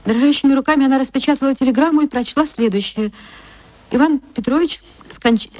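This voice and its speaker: A woman narrating a classic story in a gentle, measured literary reading. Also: high voice, dry recording.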